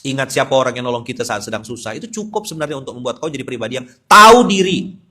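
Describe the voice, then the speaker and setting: A man, preaching a lively, humorous sermon with sudden loud emphatic bursts. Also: medium pitch, rapid-fire. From West Kalimantan, Indonesia. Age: 40s. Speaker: Islamic preacher. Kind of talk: sermon at a dawn study gathering.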